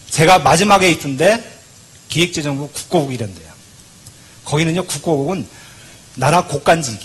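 A man talks at a moderate pace with a fairly high pitch. His speech has long, frequent pauses, and noticeable background noise is present. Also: lively intonation. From Cheorwon, Gangwon, South Korea. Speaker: political speaker. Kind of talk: public speech. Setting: conference hall with audience. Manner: animated.

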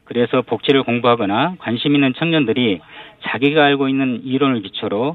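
A man talks fairly quickly. Behind him, background noise is noticeable. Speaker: city government welfare official. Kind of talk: informational interview. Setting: phone call.

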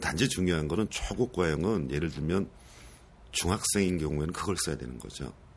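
A man's very deep, low voice with vocal fry and lively intonation, moving at a fairly quick pace. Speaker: hearing aid company executive. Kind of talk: interview. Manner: formal, fluent.

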